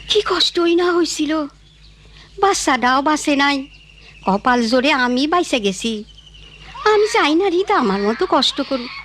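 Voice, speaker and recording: A woman voicing a caring village grandmother in a cartoon, who speaks earnestly and pleads with her son. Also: high voice. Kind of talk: cartoon voice acting. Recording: noisy background.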